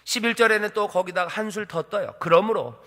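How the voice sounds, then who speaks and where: A man's voice: high voice, animated, fairly quick, sharp tone. A male pastor preaching a sermon in a church hall. He asks the congregation rhetorical questions and acts out quotes.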